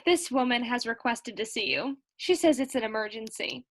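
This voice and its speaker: A woman's voice: fairly high pitch, normal speed, lightly acted. A woman playing a dutiful, reassuring nurse in a comedy sketch reading, polite and earnest. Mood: helpful. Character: dutiful, soothing female nurse assisting a doctor.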